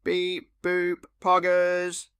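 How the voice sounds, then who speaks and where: A robotic text-to-speech voice set up as a male stream robot that reads out chat messages in a flat, monotone delivery. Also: very slow, clear, resonant tone, no echo, clean studio sound, heavily acted. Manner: flat monotone reading with no pitch movement.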